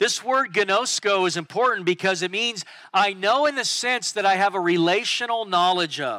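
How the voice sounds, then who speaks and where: A man's raised, projected voice, high-pitched with a bright, sharp tone and ordinary pitch variation, in a very clean recording over a silent background. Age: 50s. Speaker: pastor. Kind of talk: sermon. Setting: church.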